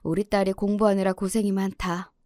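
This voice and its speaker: A woman voicing a patient middle-aged mother who talks softly and coaxingly. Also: mid-range voice, little pitch movement, a little fast, dry recording, studio quality, lightly acted. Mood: coaxing gentle. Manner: soft, coaxing, caring.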